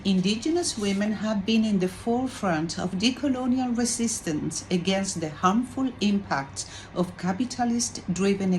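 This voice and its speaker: A woman's voice: medium pitch, slight background noise, low-quality recording. Woman from Chile reading a formal talk. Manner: measured, formal delivery. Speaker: panelist. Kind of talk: reading a prepared presentation.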